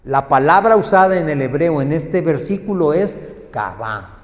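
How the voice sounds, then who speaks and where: A man delivers a sermon at a deliberate, unhurried pace, stressing key words and asking his listeners questions. His voice sits a little high for a man. It rings with long reverb through a church hall, captured on dull, lo-fi audio. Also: expressive. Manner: slow, emphatic teaching with questions to the audience. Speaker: preacher. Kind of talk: sermon teaching. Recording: echoey hall, dull lo-fi sound.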